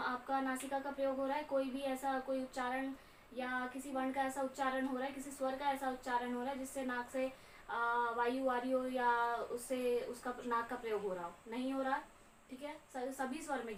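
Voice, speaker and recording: A young woman teaching Hindi grammar in a slow, repetitive classroom lecture, often checking in with her students. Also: high voice, steady tone, far from the mic. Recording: echoey room, voice off-mic with faint hum.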